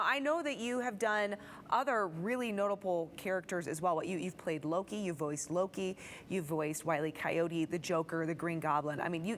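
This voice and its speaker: A woman's voice: medium pitch, fairly bright tone, slight background noise. A woman hosting a broadcast interview in an enthusiastic, gushing manner. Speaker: TV show host.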